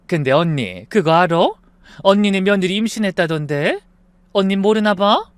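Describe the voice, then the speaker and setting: A man's voice: high voice, lively intonation, moderate pace, smooth, no room sound. A man voicing a sly gossiping auntie. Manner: sly, needling. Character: gossiping middle-aged woman friend.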